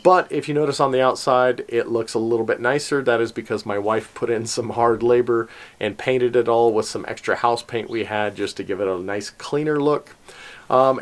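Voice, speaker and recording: Man, 40s, homestead vlogger. Easygoing, chatty walkthrough with fillers and light laughs, recorded outdoors in an open shelter. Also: mid-range voice. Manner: relaxed and chatty, lots of ums and little laughs, pointing things out. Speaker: homesteading channel host. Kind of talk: casual walkthrough vlog. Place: outdoors in an open-sided metal livestock shelter.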